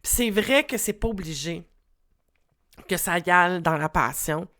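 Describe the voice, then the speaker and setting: A woman's voice: lowish voice, lively intonation, normal speed, a bit bright. A woman with a Québécois French accent, a relationship coach giving casual, encouraging commentary full of fillers. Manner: chatty, encouraging, many fillers.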